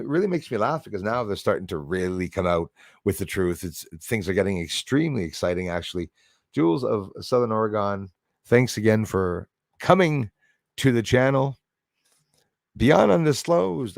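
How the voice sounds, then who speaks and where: A man with a mid-range voice runs a casual livestream, greeting people in chat and chatting in a loose, friendly, rambling style. The audio is dry and studio quality.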